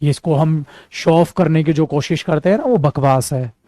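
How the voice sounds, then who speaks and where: This spoken English class is led by a lively male teacher from India who explains at a board, blends Hindi with English, and chats with students as if they were friends. He speaks in a fairly high voice and deliberately stretches out every English example so the class can follow. It sounds dry and close, free of any reverb.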